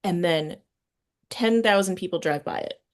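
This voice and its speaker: A woman with a fairly low voice talks in a relaxed interview setting as the host. She is thoughtful and halting, often stopping partway through a sentence to search for the right words. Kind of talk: casual conversational interview.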